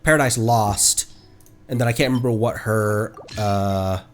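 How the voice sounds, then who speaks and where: A man's voice: on the low side, steady tone, measured pace, slight background noise. Casual man rambling through a game stream. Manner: rambling, thinking aloud. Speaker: livestreamer. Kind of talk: casual gameplay stream commentary.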